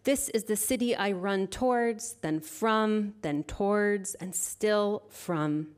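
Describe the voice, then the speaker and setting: A middle-aged woman poet speaks into a stage microphone at a literary evening. Her voice sits at an everyday middle pitch. She introduces her work in a halting, searching way, then reads her poems slowly and with care. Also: clear, resonant tone. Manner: hesitant, halting introduction, then slow measured reading. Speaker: poet and university lecturer. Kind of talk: poetry reading with spoken introduction.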